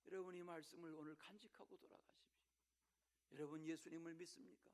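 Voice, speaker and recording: A male pastor delivering a Sunday sermon at a church service. He tells the story dramatically, swinging between loud declarations and hushed whispers, and makes repeated direct appeals to the congregation. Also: fairly high pitch, steady tone, fast.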